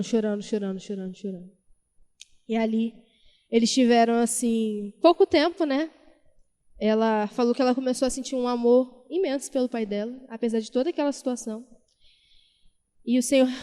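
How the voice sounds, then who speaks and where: A woman's voice: on the high side, dark tone, clean tone. A woman preacher giving a Sunday sermon, telling a story and repeating key phrases for emphasis. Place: church. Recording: reverberant church hall.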